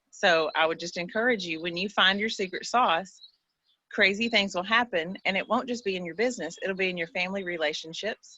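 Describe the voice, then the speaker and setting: A strong East Texas accent carries a bright, sharp tone. The pace is fairly quick, with ordinary pitch variation. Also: woman, medium pitch for a woman. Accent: strong East Texas twang. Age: 40s. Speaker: online business community member. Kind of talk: casual chat. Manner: animated.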